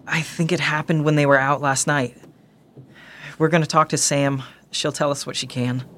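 A man acting a grieving, gentle and hesitant younger brother in an audio drama. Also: on the high side, flat delivery, normal speed, natural voice. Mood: shaken, hesitant.

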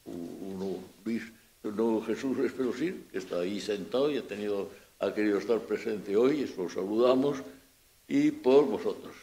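A man with a Peninsular Spanish accent addresses an audience at a book presentation in a loose, unscripted way. He keeps stumbling and restarting, repeating small words as he searches for the phrasing, and gives his remarks a critical, ironic edge. His voice sits at an ordinary middle pitch for a man. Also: dark tone. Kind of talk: informal public talk.

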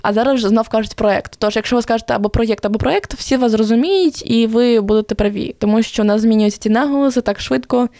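A woman's voice: on the high side, quick pace, few pauses, no echo. A teenage girl from Ukraine, a podcast guest chatting casually and telling stories with lots of fillers. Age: teens. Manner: chatty, lively storytelling with many fillers.

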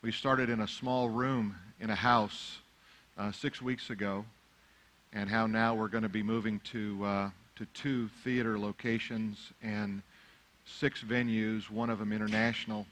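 Bright-voiced pastor, Arabic native speaker. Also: male voice, lowish voice, level tone, unhurried. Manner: conversational, building to fervent preaching. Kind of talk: sermon.

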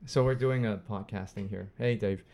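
A man's voice: fairly low pitch, mellow. Chatty man from Hong Kong. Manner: quick, chatty, greets viewers. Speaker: podcast guest and livestreamer. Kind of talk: casual podcast conversation.

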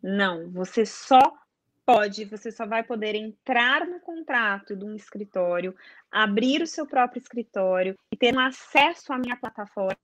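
A woman's voice: mid-range voice, moderate pace, a bit bright, no room sound. Woman explaining step by step. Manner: explains step by step with rhetorical questions, frequent "tá?". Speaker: guest explaining investment advisor certification. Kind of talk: casual explanatory chat, addressing viewers.

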